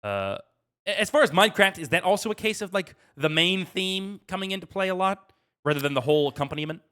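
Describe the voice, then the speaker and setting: A man's voice: sits high, expressive, fast, a bit bright. A man co-hosting a gaming podcast, talking in a casual, informal discussion style.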